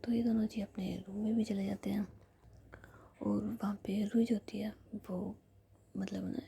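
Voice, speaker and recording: A woman narrating a story in a soft whisper, with chatty fillers. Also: mid-range voice, little pitch movement, normal speed, gravelly, slight background noise.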